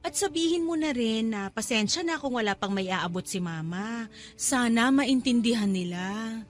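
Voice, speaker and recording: A high-pitched Filipino mother in a radio drama, played by a woman. She is struggling and evasive, coaxing her child in hesitant phrases over soft background music. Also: animated, normal speed, lightly acted. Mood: tired, instructing. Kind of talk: Tagalog radio drama acting.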